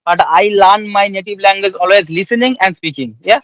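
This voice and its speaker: Bengali-accented man, high-pitched, polite and formal, dry close sound; interviewer in a conversation drill. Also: brisk, fairly bright tone, no echo, rough recording. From West Bengal, India. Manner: polite, formal questions, says "ma'am".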